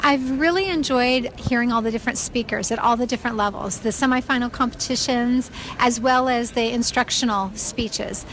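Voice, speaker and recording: A woman's voice: on the high side, moderate pace, a bit bright, a little hiss or hum, rough recording. A woman from California, a first-time convention attendee, speaking cheerfully.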